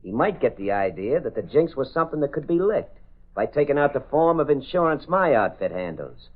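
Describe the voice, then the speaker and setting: An actor playing a smooth-talking, threatening male racketeer in a 1930s radio drama. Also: medium pitch, very animated, brisk. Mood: menacing. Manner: tough, threatening gangster talk. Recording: tinny old radio broadcast.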